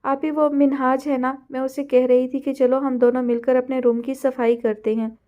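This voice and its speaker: A woman voicing a feisty, quarrelsome teenage girl in a storybook reading, with bickering, quick retorts. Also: sits high, level tone, phone-quality sound, natural voice.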